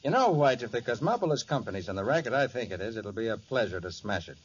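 An actor playing a confident, generous master detective with brisk authority in a 1940s radio crime drama. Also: male voice, mid-range voice, very animated, breathy edge. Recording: muffled, noisy 1940s radio recording.

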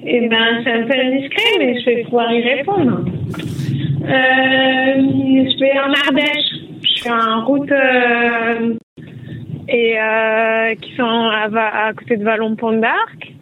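Slow-talking woman on a tinny phone line. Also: on the high side, a little hiss or hum. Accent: regional French. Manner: relaxed, hesitant, many fillers. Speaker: podcast guest. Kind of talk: casual interview by phone. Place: in a moving car.

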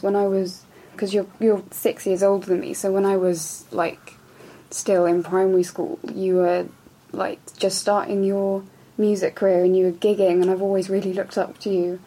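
A woman's voice: medium pitch, warm tone, slightly rough, poor audio. A young Welsh woman, a Welsh speaker, chatting reflectively and sometimes searching for her words. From Wales. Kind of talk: casual chat.

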